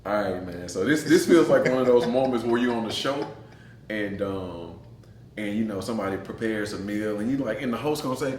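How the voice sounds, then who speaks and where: A man's voice: fairly low pitch, lively intonation, a little fast, darkish tone, slight background noise. A man from Mississippi with a Black Southern American accent hosting a casual podcast chat, slangy and effusive, often repeating himself. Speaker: podcast host. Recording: echoey room with music behind.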